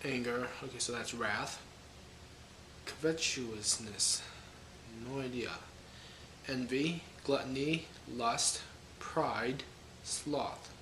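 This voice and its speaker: A man's voice: medium pitch, slow, long pauses, fairly bright tone, a little hiss or hum. A man rambling casually to camera, thinking aloud and correcting himself with wry asides. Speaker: vlogger. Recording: echoey room.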